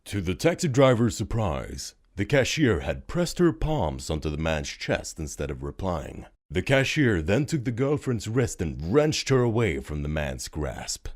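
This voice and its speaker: A man narrating a scripted audio drama story in a dramatic, expressive storytelling manner. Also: low-pitched, a little slow, hardly any pauses. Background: music.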